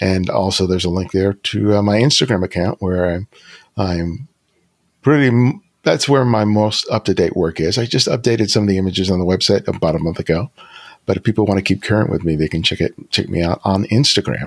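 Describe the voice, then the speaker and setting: A man speaks at a fairly low pitch with ordinary pitch variation. The recording is very clean, with a silent background and a dry, close sound with no echo. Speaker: photographer. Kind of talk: casual chat. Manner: calm.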